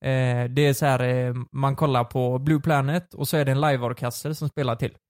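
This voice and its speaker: A man in his twenties chatting casually, telling a story with lively energy and plenty of swearing. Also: medium pitch, dry recording, clean studio sound. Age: 20s. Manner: animated storyteller, swears freely. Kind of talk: casual chat.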